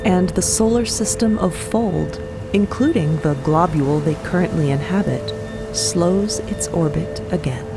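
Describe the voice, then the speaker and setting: Lower-pitched woman narrating over music. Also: measured pace. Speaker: narrator and co-host. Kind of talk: scripted audio fiction narration.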